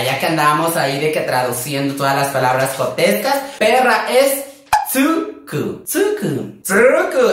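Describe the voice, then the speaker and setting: A man from a Wixárika community in Mexico, with a Mexican Spanish accent and Wixárika as his first language, teaching words in a campy, sassy, theatrical way. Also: a bit bright. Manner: campy, theatrical, sassy with sudden pitch jumps. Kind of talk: casual playful vocabulary lesson. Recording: very echoey room.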